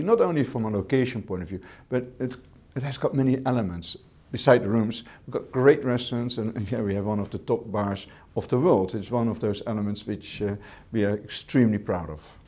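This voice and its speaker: A Dutch hotel manager answers interview questions in English, his second language, in a fairly low, warm voice. He speaks in a measured way, repeating words and using fillers.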